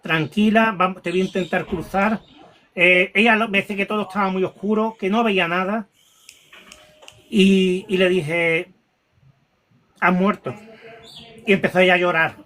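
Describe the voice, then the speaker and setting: Man telling a story, halting and emotional. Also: high voice, steady tone, bright, forceful tone, a little hiss or hum. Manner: halting, many restarts and repetitions. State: emotional, near tears. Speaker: guest recounting a paranormal experience.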